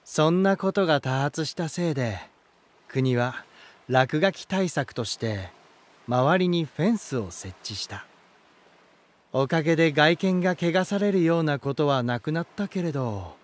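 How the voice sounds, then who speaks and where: An actor playing an elegant, romantic lighthouse spirit in a voice drama, gentle and warm, with poetic, softly teasing delivery. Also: male voice, a little high. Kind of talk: Japanese voice drama monologue and dialogue. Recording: music behind. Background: music.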